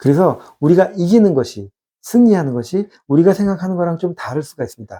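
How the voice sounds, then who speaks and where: A man's dark, mellow voice, high in pitch, at a very fast pace with lively intonation. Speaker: religious channel host with theology doctorate. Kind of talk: religious talk.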